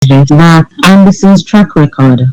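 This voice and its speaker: A man's voice: a little high, slow pace, a little mellow, smooth, dry recording, muffled recording, soft background music. A man in a voice note, talking through political strategy in a persuasive, planning way. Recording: played-back voice note.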